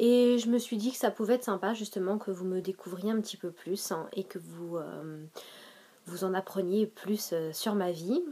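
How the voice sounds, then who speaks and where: Her tone is dark and mellow as a woman speaks at a moderate pace. Her pitch is medium, with ordinary variation. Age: 20s. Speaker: beauty vlogger. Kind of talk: casual vlog chat. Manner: chatty, hesitant with many fillers.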